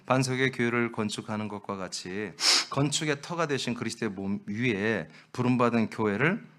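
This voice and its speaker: A man's voice: medium pitch, normal speed, fairly bright tone. A male pastor preaching with emphasis in a church, talking straight to his congregation.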